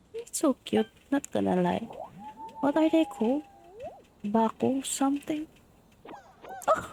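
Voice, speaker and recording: A woman's quiet, high voice at a fairly slow pace, with lively intonation and long, frequent pauses amid noticeable background noise. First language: Tagalog. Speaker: gaming streamer. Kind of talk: game commentary. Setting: home, sisters asleep nearby.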